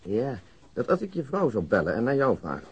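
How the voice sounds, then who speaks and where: An actor playing a pedantic, matter-of-fact police detective in a radio drama, with dry, roundabout explanations. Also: male voice, medium pitch, wildly swooping pitch, a little fast, creaky, husky, highs cut off, exaggerated voice.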